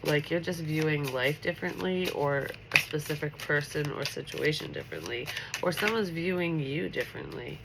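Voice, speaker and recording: A woman's voice: low-pitched, normal speed, creaky. A woman with a stuffy, congested nose gives a casual, chatty late-night tarot reading in an upbeat tone. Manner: chatty and upbeat, full of filler words. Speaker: tarot reader. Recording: steady background noise.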